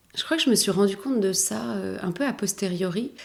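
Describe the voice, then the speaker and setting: Pitch variation is ordinary at a moderate pace. The recording is very clean, with a silent background. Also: woman. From southern France (Haute-Provence). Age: 50s. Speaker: author and filmmaker. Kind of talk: podcast interview, personal testimony. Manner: hesitant, many fillers; calm, gentle.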